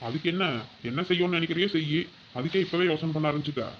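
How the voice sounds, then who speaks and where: A woman voicing an easygoing middle-aged village husband in a cartoon, with a relaxed, unhurried drawl. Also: deep voice, highs cut off, slight background noise, pitched below the performer's own voice, lightly acted.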